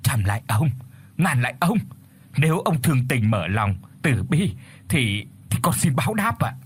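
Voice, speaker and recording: A man voicing a hoarse, grovelling coucal bird in a told story. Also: mid-range voice, very animated, normal speed. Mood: begging. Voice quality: raspy, hoarse. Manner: grovelling, begging.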